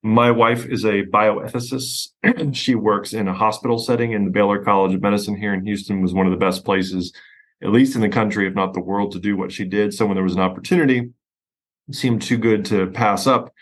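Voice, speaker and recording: Low-voiced middle-aged lawyer from Pennsylvania, friendly, explains with restarts. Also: male voice, fairly even intonation, a little fast. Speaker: estate planning attorney, guest. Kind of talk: podcast interview.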